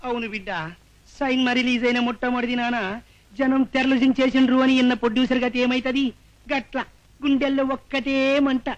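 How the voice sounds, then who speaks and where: A man's voice: extremely high pitch, little pitch movement, a little fast, muffled recording. An actor playing an older father who fakes illness, speaking in a dialect with a slangy rustic drawl, on an old film soundtrack with music behind. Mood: sly.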